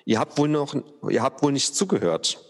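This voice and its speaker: A man's voice: mid-range voice, expressive, normal speed, in a large hall, voice pushed up, close to an everyday voice. A man reading aloud, voicing a formerly blind man who speaks plainly and boldly. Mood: earnest.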